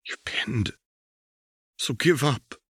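A man's voice: mid-range voice, very slow, a bit bright, slightly rough, no echo, studio quality, pitched above the performer's own voice, heavily acted. A man voicing a tough, desperate young woman fighter, a protective older sister, blunt and strained in an audiobook. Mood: pleading. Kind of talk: audiobook character voice.

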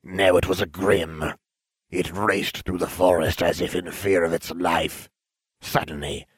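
A man voicing a disembodied, pompous and deadpan villainous dark lord in a storybook narration. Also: low voice, husky, no echo. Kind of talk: fan fiction audio storytelling.

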